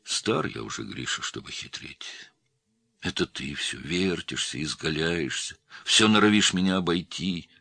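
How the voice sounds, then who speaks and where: A man voicing an old male jeweler in his seventies, who speaks slowly and quietly with calm dignity. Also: low-pitched, gravelly, husky, no echo, heavily acted. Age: 70s.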